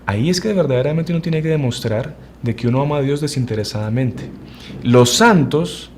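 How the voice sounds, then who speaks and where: A man's voice: medium pitch, darkish tone, a little hiss or hum. A man with a Uruguayan Spanish accent, a religious brother giving an earnest spiritual formation talk. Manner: earnest, preaching, speeds up and slows for emphasis.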